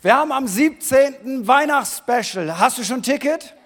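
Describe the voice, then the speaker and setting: A pastor preaching a sermon in a church hall, moving between quiet talk and loud, shouted emphasis. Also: male voice, very high voice, lively intonation, moderate pace. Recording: long reverb of a church hall.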